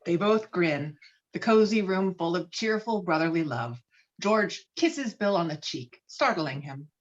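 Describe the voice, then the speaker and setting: A woman's voice: on the low side, animated, a little slow. A woman reading screenplay stage directions as dramatic scripted narration. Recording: slightly dull, lo-fi microphone.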